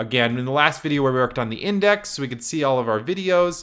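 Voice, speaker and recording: A man's bright, sharp voice, fairly high in pitch, with lively intonation and a very fast pace. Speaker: programming tutorial instructor; programming tutor. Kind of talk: tutorial. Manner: casual with frequent fillers. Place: home room. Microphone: webcam.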